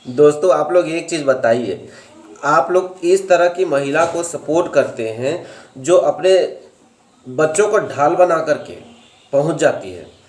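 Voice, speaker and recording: A man's voice: fairly high pitch, animated, takes it slowly, pauses often. A man talking casually to his followers in a ranting, chatty way, often laughing. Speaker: vlogger. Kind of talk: casual opinion vlog. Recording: echoey room.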